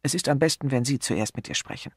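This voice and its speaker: A man voicing a smooth, wary hotel manager who speaks politely but turns sharp. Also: mid-range voice, big pitch swings, fast, dry recording, studio quality.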